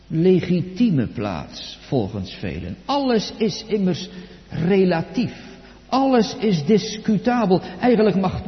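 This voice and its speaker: A male pastor delivers a solemn sermon in a slightly high voice, his pitch swinging widely as he leans on key words. He speaks slowly and deliberately. The recording is dull and lo-fi, with a long church reverb trailing every phrase. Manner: solemn, emphatic preaching with slow deliberate stresses.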